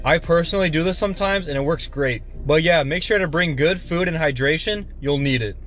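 A man's voice: on the high side, brisk, a bit bright, soft background music. A man in his twenties giving casual advice to camera in a vlog, recorded at arm's length inside a car. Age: 20s. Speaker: YouTuber and warehouse worker giving tips. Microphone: phone or camera at arm's length.

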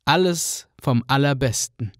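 A man's voice: medium pitch, a little slow, no echo. Man narrating a fairy tale, dry and close. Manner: even, storytelling.

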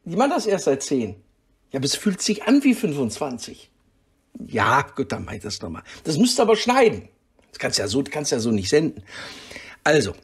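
A man giving a rambling comic message in a husky voice, muddled, interrupting himself and muttering asides. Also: a little high, huge pitch swings, fairly quick. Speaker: guest giving a congratulatory message. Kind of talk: rambling comedic monologue.

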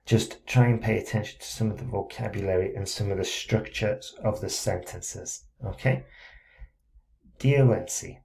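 A man's voice: lowish voice, normal speed, creaky, a little mellow. A man tutoring English writing, reading a student's letter aloud and stopping to correct it, with frequent check-ins and encouragement. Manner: reads student text aloud, breaks off to comment. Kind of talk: essay correction screencast.

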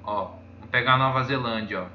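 Brazilian male YouTuber, casual rambling chart commentary, bright tone, roomy dull recording with faint noise. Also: medium pitch, fast talker. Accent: Brazilian Portuguese. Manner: rambling, constantly saying "ó" while pointing at charts. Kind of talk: casual screen-share commentary. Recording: echoey room, dull lo-fi sound, faint noise.

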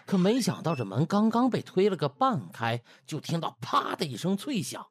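A man's voice: fairly high pitch, big pitch swings, moderate pace, slightly rough. A man narrating a comic audiobook in a colloquial, theatrical storytelling manner. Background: music.

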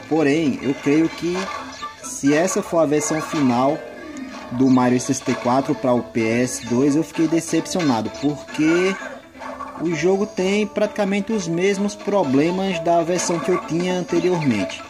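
Brazilian guy rambling casually about games, music loud behind him. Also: a little high, moderate pace. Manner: rambling, conversational. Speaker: gaming video creator. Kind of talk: casual gameplay commentary.

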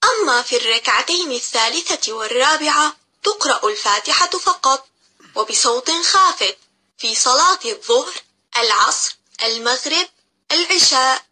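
A woman giving scripted instructional narration for young children, reciting each step in a measured, clear way. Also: high voice, pushed and bright. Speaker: teacher narrator.

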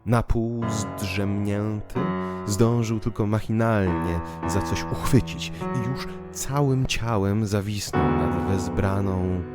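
A man narrating a literary audio drama in a theatrical, expressive way. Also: on the low side, slow pace. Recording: music bed under the voice. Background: piano and musical accompaniment.

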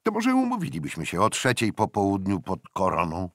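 A man's voice: low-pitched, huge pitch swings, fairly quick, a bit bright, no echo, clean studio sound, pitched above the performer's own voice, full character voice. A man voicing a hearty, frank young naval officer who banters cheerfully, in an audiobook. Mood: jovial. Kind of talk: audiobook character voice.

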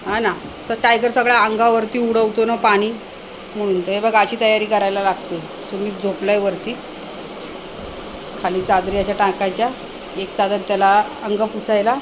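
A woman's voice: mid-range voice, little pitch movement, normal speed. A woman chatting casually through a home vlog, talking and scolding as she goes. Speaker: vlogger. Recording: noisy home recording.

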